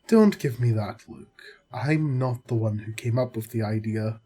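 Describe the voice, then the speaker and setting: Man playing a slow-talking, husky immortal doctor. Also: medium pitch, warm tone. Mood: fussy, proud. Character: long-lived vampire doctor, male, caring yet exasperated. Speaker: voice actor. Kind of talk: audio roleplay drama, spoken to the listener.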